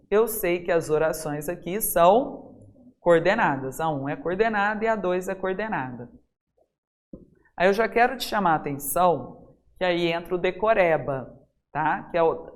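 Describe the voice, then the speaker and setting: Brazilian woman teaching with lively questions. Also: medium pitch. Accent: Brazilian Portuguese. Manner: asks the class questions and answers them herself, stretches key words. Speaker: Portuguese teacher for exam prep. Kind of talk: recorded class lecture.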